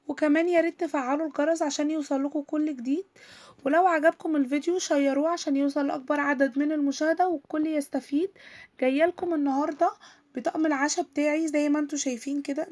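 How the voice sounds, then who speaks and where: A young Egyptian woman talks quickly in a high voice, her voice tired from a recent illness. She rambles chattily with long drawn-out fillers and trailing restarts. The sound is close and dry, recorded on a handheld camera. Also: darkish tone, dry recording. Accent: Egyptian Arabic. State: tired voice, still recovering from illness. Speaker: lifestyle vlogger. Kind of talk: casual product showcase chat.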